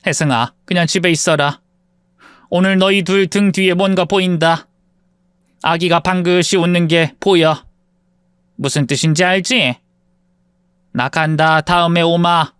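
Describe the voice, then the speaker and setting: A man's voice: fairly high pitch, steady tone, unhurried, long pauses, fairly bright tone, clean tone, no room sound, clean studio sound. A man voicing a stern, commanding older mother who is a shaman, speaking in a scolding, authoritative way. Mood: calm.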